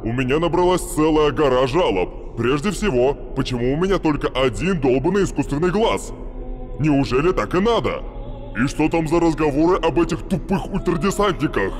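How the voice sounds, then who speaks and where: Over clear music in the background, a man performs a put-on character voice. It is fairly high-pitched for a man and moves at a fairly quick pace. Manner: foul-mouthed, irritable, complaining.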